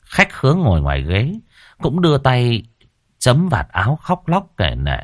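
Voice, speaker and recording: A man, narrating a folksy ghost story in a lively, colloquial way. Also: medium pitch, measured pace, dry recording, clean studio sound.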